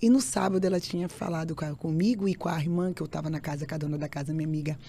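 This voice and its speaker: A woman's voice: low voice, fairly even intonation, rapid-fire, warm tone, breathy edge. A woman, a podcast guest giving an emotional faith testimony, repeating phrases and acting out other people's voices.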